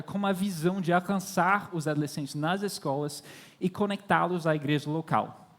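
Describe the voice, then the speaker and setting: In a large church hall thick with long reverb, a high-voiced young man preaches to the congregation. He is a visiting missionary who weaves storytelling into his sermon; born and raised in France to Irish parents, he does not speak Portuguese natively.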